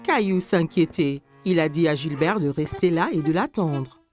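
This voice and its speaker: A woman narrating a children's story in an expressive, scripted storytelling style. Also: sits low, moderate pace. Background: music.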